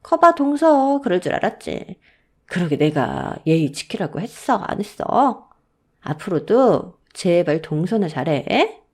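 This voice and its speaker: A woman voicing an arrogant elder sister-in-law who talks down with sharp, condescending retorts. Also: lowish voice, big pitch swings, unhurried, breathy edge, exaggerated voice. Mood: smug.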